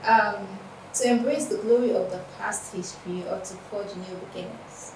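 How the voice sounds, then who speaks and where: A Nigerian woman hosting a casual interview, asking teasing either-or questions. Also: mid-range voice. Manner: teasing, quick back-and-forth questions. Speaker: host. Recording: echoey room, distant mic, noisy.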